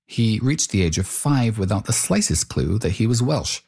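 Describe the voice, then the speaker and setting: A man's voice: fairly low pitch, big pitch swings, normal speed, a little mellow, husky. A man presenting and narrating a radio-style feature, also asking the interview questions.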